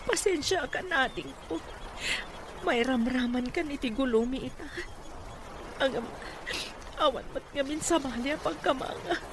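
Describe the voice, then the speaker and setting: An actress with an Ilocano accent playing a long-suffering battered wife and gentle elder sister in an audio drama. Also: female voice, high-pitched, moderate pace. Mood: sad, resigned. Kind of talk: Ilocano radio-style drama acting. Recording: clearly noisy ambient background.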